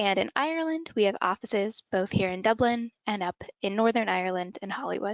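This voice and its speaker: An American accent colors this woman's ordinary speaking voice, set at a medium pitch with ordinary pitch variation and a fairly quick pace. The sound is dry and close with no echo, and the background is quiet. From US, Pennsylvania. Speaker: software solution engineer. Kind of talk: webinar presentation. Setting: online webinar. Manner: frequent fillers (um, uh).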